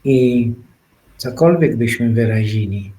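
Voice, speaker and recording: Slow, soft-spoken meditative man. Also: medium pitch, animated, poor audio. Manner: slow, soft-spoken, trailing off into quiet pauses. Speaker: spiritual speaker. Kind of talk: meditative spiritual talk.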